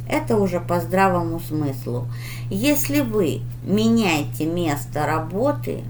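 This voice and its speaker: A woman reading tarot for her viewers in a deliberate, instructive manner, with pauses and emphatic advice. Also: mid-range voice, a little hiss or hum. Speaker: tarot reader hosting her channel.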